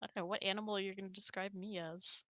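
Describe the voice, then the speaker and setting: A woman's voice: mid-range voice, little pitch movement, fast, fairly bright tone, no echo. A woman hosting a casual online hangout, chatting and answering audience questions in a giggly manner. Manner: giggly, laughs often while talking.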